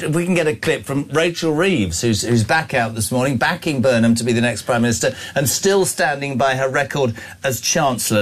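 A man hosting a radio phone-in show, chatting casually with plenty of fillers and hesitations. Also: mid-range voice. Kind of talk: casual talk radio chat.

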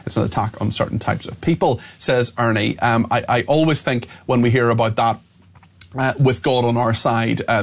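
Brisk, smooth male radio host. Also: medium pitch. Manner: fluent, brisk on-air delivery. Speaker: radio talk show host. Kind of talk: smooth radio host reading listener messages.

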